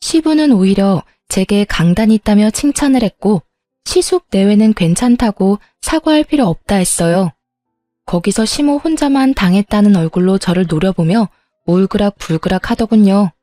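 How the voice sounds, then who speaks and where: A woman narrating a dramatized story in a calm, steady manner and voicing herself in it. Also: mid-range voice, normal speed, no room sound, faint music behind.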